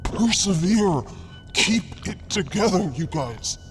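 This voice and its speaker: Slow, earnest, steadfast castaway. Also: male voice, high voice, very animated, music in the background, exaggerated voice. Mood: earnest pleading. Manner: slow, halting, emphatic pleading. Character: earnest, steadfast castaway urging despairing crew on. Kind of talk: audio drama acting over music.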